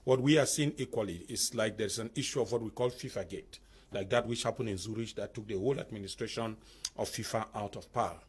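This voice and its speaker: A man's voice: on the low side, fast talker, breathy edge. A man, a panel guest arguing a point in a heated debate with pressing rhetorical questions.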